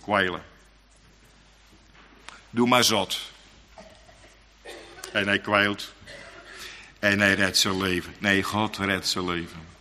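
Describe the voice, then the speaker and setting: Slow, piercing-voiced male preacher in a reverberant hall. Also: low-pitched, fairly even intonation, a little hiss or hum. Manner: dramatic, emphatic preaching with sudden loud outbursts. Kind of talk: sermon.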